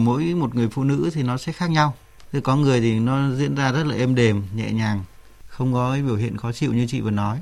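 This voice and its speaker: With an ordinary speaking voice, a man talks at a moderate pace, his medium pitch showing ordinary variation. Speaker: doctor. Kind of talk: radio call-in health advice. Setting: studio.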